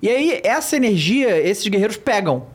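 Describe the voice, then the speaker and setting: A man's voice: high voice, sing-song, moderate pace, slightly rough. A man hosting a podcast, explaining things at length in casual chat.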